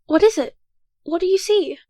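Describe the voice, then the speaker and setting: A woman's voice: very high voice, moderate pace, warm tone, dry recording, clean studio sound. A woman playing a bossy, easily exasperated young time traveller in an audio drama. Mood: tense, curious.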